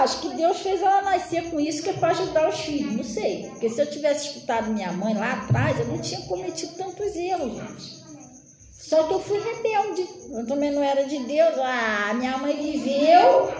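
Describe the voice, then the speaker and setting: A woman's voice: high voice, moderate pace, darkish tone, reverberant, low-quality recording. A woman in her late thirties giving an informal, chatty sermon, often turning to address her listeners directly. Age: 30s. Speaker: preacher.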